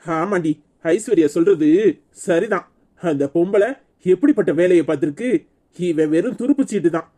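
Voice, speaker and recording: A woman putting on a gruff stern father. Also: medium pitch, animated, moderate pace, mellow, pitched below the performer's own voice, natural voice. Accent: Tirunelveli Tamil. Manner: firm and serious.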